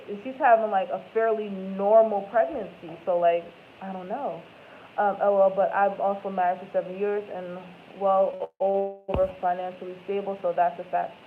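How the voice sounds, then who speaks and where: Woman in her twenties, tinny rambling chat. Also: mid-range voice. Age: 20s. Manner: rambling, self-correcting, lots of "like" and "um". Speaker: live stream host. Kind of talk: casual chat with viewers. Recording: tinny phone-like audio with faint noise.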